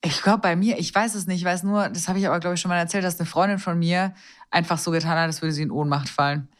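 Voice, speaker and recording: A woman co-hosting a podcast in casual chat, relaxed and often laughing. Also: on the low side, fast. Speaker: podcast co-host.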